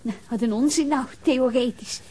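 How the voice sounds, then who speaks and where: High-voiced, curious young daughter. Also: female voice, normal speed, dark tone, husky. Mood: teasing, curious. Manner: informal, inquisitive, coaxing. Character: curious, teasing daughter of a police detective. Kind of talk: naturalistic radio drama acting.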